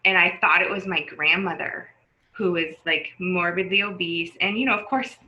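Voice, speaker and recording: A woman's voice: lowish voice, normal speed, sharp tone, highs cut off. A woman in her forties talking as a podcast guest, chatty and rambling, with lots of fillers and restarts. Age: 40s. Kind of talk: casual conversation.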